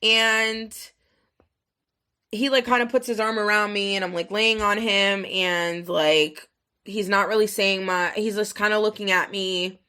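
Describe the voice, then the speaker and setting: Bright-voiced, profane woman podcaster storytelling. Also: mid-range voice, unhurried, clean tone. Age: 30s. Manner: rambling, profane, filler-heavy, animated retelling with quoted voices. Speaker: podcast host. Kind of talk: casual storytelling monologue.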